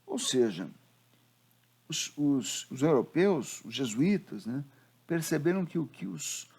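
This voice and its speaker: A middle-aged man with a Brazilian Portuguese accent, a teacher giving a lively lecture and telling history like a story, with casual slang. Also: fairly high pitch, slow, slightly rough. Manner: storytelling, acts out quoted speech, casual slang.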